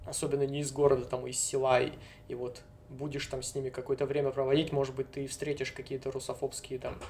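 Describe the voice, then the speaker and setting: Flat-voiced Siberian-born man, hedging. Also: medium pitch, fast talker, vocal fry, a little hiss or hum. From Novosibirsk, Siberia, Russia. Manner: relaxed, hedging with frequent fillers, chuckles often. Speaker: guest. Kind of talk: casual conversation.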